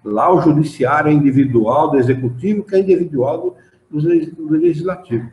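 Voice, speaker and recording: In an association's hall, a man with a Brazilian Portuguese accent leads a loose study group, chatting animatedly and reading passages aloud. He speaks briskly in a fairly high pitch. The echoey room gives the recording a dull sound.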